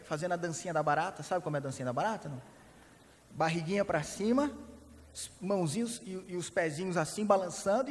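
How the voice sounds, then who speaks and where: A man preaching a sermon as a pastor, animated storyteller who acts out the people in his stories. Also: sits high. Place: church hall. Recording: long hall reverb.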